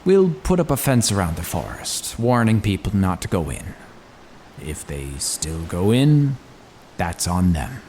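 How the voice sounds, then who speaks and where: A man's voice: deep voice, very animated, unhurried, a little mellow, a little hiss or hum. An actor playing a hard, pragmatic small-town man in an audio drama. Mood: cold, firm.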